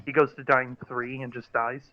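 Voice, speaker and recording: A man's voice: mid-range voice, little pitch movement, normal speed. A man chatting casually as a player in a tabletop game, over dull lo-fi voice-chat audio.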